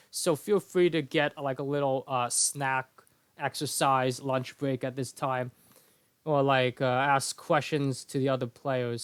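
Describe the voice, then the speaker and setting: A man's voice: mid-range voice, clear, resonant tone, no room sound. Game master man, dry close sound. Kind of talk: narrating a tabletop game, then casual announcements.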